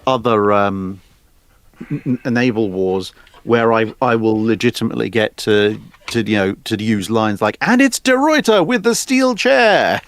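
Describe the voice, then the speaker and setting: A man's voice: lowish voice, animated, unhurried, no room sound. A man chatting casually and unscripted about history as a co-host, telling it like a jokey storyteller. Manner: jokey storyteller, acts out mock announcements. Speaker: co-host commenting on naval history.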